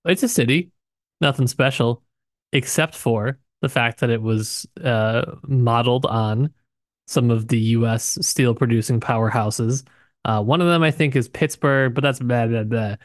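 Male co-host, medium pitch, informal and slightly hesitant conversational delivery, dry room sound. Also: measured pace, no echo. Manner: informal, hesitant, hedging with asides. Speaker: podcast co-host. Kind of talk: casual book discussion.

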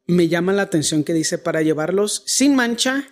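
A man's voice: sits high, animated, moderate pace. A Mexican man with a Mexican Spanish accent, chatting casually about faith and slipping in joking, self-deprecating asides.

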